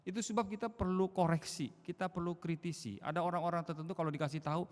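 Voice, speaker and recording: A male pastor preaching a sermon, asking rhetorical questions and answering them himself, swinging from quiet to loud emphasis. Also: fairly high pitch, steady tone, quick pace. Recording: long hall reverb.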